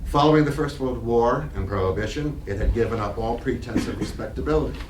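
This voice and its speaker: A man reading stage directions aloud as narrator at a live play reading, in a measured, literary way. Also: mid-range voice, darkish tone. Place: library reading room. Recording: echoey room, distant mic, faint noise.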